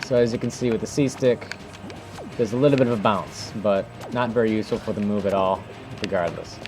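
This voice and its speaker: A man with a fairly low voice talks through gameplay casually, thinking aloud as he goes. His delivery is informal and unscripted, and music plays clearly behind him. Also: brisk. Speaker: host of a video game technique demonstration.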